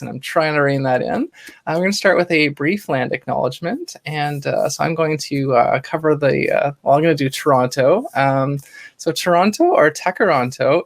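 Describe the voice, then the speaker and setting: A woman with a deep, gravelly voice hosts a podcast interview in Toronto, Canada. She talks casually and rambles a little, full of fillers and restarts.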